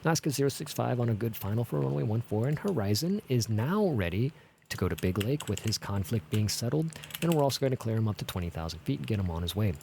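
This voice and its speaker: Talking fast with lively intonation, this medium-pitched man has a darkish tone as he narrates his air traffic control simulator stream. The commentary is casual and thought-out-loud, heavy on radio jargon with a curse here and there, backed by clearly audible keyboard clicks and typing.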